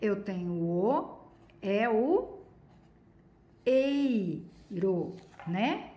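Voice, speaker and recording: A woman's voice: mid-range voice, lively intonation, extremely slow, dark tone, roomy sound. A Brazilian woman teaching a primary school lesson, patiently asking questions and stretching key words. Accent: Brazilian Portuguese. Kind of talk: recorded lesson for children.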